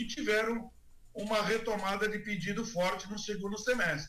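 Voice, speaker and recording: In a room with audible echo, a man with a high pitch raises and projects his voice, the tone bright and sharp. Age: 50s. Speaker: accountant and auditor. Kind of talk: radio panel discussion.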